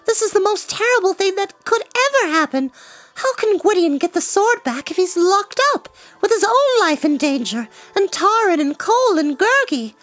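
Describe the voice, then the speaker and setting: Man putting on a very high, indignant young girl. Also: very animated, moderate pace, a bit bright, full character voice. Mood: urgent, upset. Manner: high falsetto, insistent, scolding. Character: indignant, urgent young girl, bossy and fierce.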